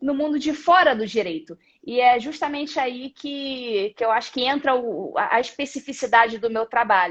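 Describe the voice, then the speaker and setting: In a Rio de Janeiro accent, a woman speaks at a high pitch and a moderate pace with ordinary pitch variation against a quiet background. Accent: carioca. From Rio de Janeiro, Brazil. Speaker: judge and social media commentator. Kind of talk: casual live chat. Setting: online livestream.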